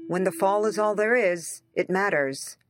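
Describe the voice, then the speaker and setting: A woman's voice: medium pitch, measured pace. A woman reading a scripted opinion essay in a conversational, wry way with emphatic phrasing. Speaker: essayist reading their own article aloud.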